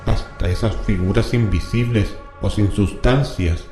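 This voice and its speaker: A man's voice: lowish voice, warm tone, natural voice. A man playing a grave, horrified scholar who reads forbidden occult scripture aloud in a solemn, ominous horror radio drama manner. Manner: slow, solemn, ominous incantatory delivery. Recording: reverberant voice with music bed.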